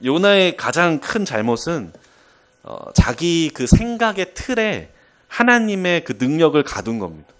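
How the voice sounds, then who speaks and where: A man preaching a sermon, telling a Bible story in an animated way with occasional chuckles. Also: fairly high pitch, unhurried.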